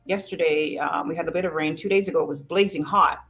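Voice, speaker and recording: Content creator guest, somewhat low-voiced woman, frank and sassy, soft music under her. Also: quick pace. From Jamaica, raised in Canada. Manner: sassy and encouraging, says "honey". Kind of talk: casual interview talk.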